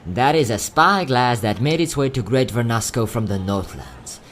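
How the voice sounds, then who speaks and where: A man playing a courteous, quietly sad young travelling merchant in a fantasy audio drama, speaking in polite, theatrical salesman's patter. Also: mid-range voice, big pitch swings, moderate pace, slight background noise. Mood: wry sales patter. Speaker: voice actor.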